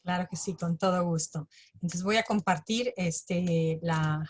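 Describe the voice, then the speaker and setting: Mexican woman in her fifties on a video call. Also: fairly low pitch. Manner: halting, many fillers and restarts. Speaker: bilingual education speaker. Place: small school room, indoors.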